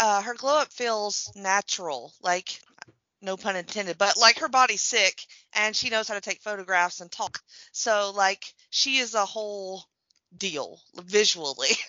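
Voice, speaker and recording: A woman's ordinary speaking voice at a fairly slow pace. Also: medium pitch for a woman, ordinary pitch variation. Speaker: wrestling fan guest. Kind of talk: casual chat.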